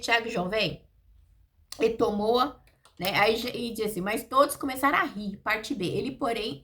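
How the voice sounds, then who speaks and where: A woman preaching a sermon in a lively way, acting out the scenes she tells. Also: on the high side. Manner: animated, acts out the scenes in voices.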